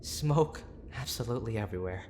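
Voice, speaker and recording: A man acting a gruff but tender young boyfriend who is desperately worried, speaking in a halting, pleading, intimate way for an audio roleplay. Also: mid-range voice, expressive, darkish tone, a little hiss or hum, close to an everyday voice. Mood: fond, wistful. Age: young adult. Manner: halting, pleading, with sighs and breathy asides.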